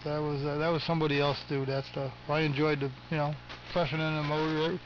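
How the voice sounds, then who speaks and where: A man's voice: on the high side, little pitch movement, fast talker. An older American man chatting casually over ham radio in a folksy, chummy way. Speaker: amateur radio operator. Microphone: ham radio transmission. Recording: muffled AM radio with loud static.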